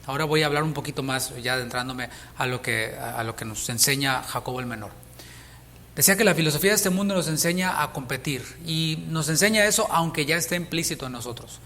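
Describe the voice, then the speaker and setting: Higher-voiced Mexican man preaching in a hall. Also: quick pace, pushed and bright, slight background noise. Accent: Mexican Spanish. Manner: conversational preaching with rhetorical questions. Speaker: pastor. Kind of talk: sermon. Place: church sanctuary.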